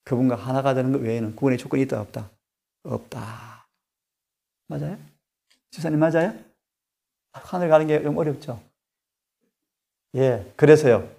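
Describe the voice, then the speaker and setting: A man preaching a sermon, emphatic and full of rhetorical questions to the congregation, swinging between loud stressed lines and hushed asides. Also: mid-range voice, moderate pace, creaky, pauses often. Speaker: pastor and Bible study director.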